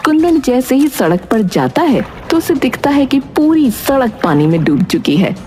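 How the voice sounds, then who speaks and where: A woman's voice: sits high, very animated, moderate pace, a little mellow, soft background music. A woman narrating a scripted moral story.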